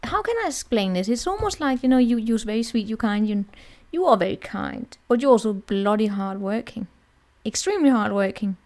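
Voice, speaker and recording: Woman, tarot reader, casual chatty reading, slightly high pitch, rambling. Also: lively intonation, a little fast, darkish tone. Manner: chatty, rambling, often asks "right?".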